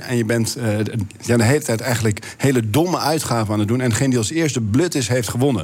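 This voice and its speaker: Fairly quick pace and ordinary pitch variation over noticeable background noise. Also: man. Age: 40s. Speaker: game designer. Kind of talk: casual chat.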